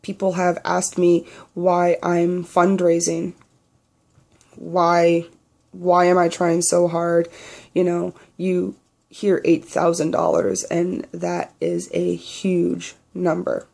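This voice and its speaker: A young trans man with a naturally high voice he tries to pitch lower, speaking candidly and bluntly in a personal video diary, swearing freely. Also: completely flat delivery, takes it slowly, creaky, a little mellow. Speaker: vlogger.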